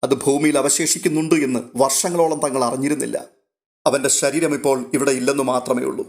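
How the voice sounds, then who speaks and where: A man's voice: mid-range voice, fairly even intonation, fast. Man narrating with florid drama. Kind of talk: scripted serial narration.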